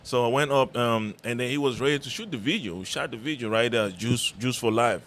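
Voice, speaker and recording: A man from Cameroon, a musician appearing as a guest on a casual radio interview in a radio studio, talks in a friendly, rambling way full of fillers. His voice is medium-pitched, fairly quick, and a bit bright.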